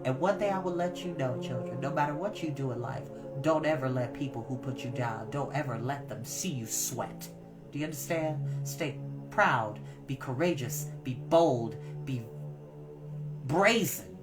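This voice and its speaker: A woman reading a story aloud with expressive, emphatic, dramatic delivery, as a storytime host. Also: extremely low pitch, normal speed. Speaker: storytime reader. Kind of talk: expressive story narration with encouraging asides. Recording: slightly distant mic, music behind.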